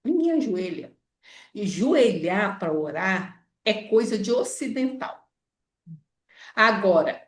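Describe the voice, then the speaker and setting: Brazilian woman, Bible study teacher; lively, slightly high, recorded distant in a roomy space. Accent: Brazilian Portuguese. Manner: explains with frequent checks like "tá?" and "né?". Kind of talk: informal Bible study lesson. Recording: echoey room, voice off-mic.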